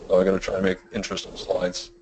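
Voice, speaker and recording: A middle-aged man with a self-described boring, monotone voice presents a trading webinar, rambling through his points with many fillers and restarts. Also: deep voice, quick pace, a little hiss or hum. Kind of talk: webinar lecture.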